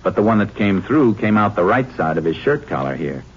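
An actor playing a steady, shrewd Texas Ranger investigator in a matter-of-fact, authoritative 1950s radio western style. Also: male voice, fairly low pitch, fairly quick, breathy edge. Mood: analytical. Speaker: lead actor and narrator. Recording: noisy, clicking, muffled 1950s radio recording.

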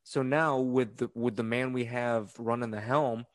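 A man's voice: mid-range voice, steady tone, moderate pace, dry recording. A young man co-hosting a podcast, chatting casually, agreeable and musing aloud about theories. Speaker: podcast co-host.

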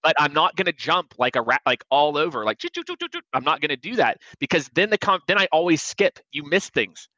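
Fast, bright-voiced man in his forties. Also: a little high, dry recording, lo-fi sound. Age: 40s. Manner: animated, emphatic, acts out quoted lines. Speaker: sales expert guest. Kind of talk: energetic podcast advice.

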